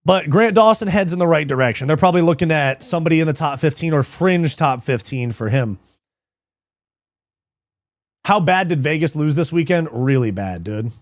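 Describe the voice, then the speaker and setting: A man with a fairly high voice and a brisk delivery hosts a livestream MMA show, casually breaking down fights. He's profane and excitable, laughing often and replying to live chat. The recording is dry and studio quality.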